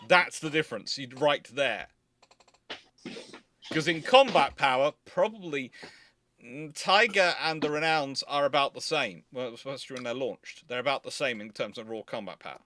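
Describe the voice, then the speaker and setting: A man's voice: mid-range voice, animated, normal speed, sharp tone, a little hiss or hum. A man hosting a livestream, chatting casually as he explains and answers questions in an emphatic, rambling way. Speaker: host of a naval history question livestream.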